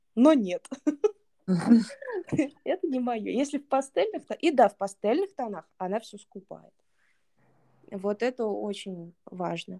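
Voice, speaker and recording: Very slowly and with long, frequent pauses, a woman speaks at a fairly high pitch in a dark, mellow tone, with very wide pitch swings and big swings in loudness, in a dry, close sound with no echo. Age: 20s. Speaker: plus-size stylist and blogger. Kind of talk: casual interview chat.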